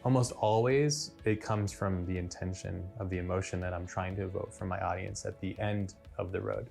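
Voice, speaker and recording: A man's voice: deep voice, fairly even intonation, brisk, creaky, a little mellow. A man talking reflectively about his creative work as an artist, in documentary interview style. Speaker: featured digital artist. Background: guitar music.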